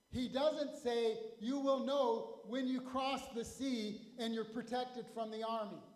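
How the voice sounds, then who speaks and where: Very slow and monotone, the speech runs with hardly any pauses, set against noticeable background noise and audible room echo. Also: man, extremely high pitch for a man. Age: 60s. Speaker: pastor. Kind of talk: sermon. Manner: halting.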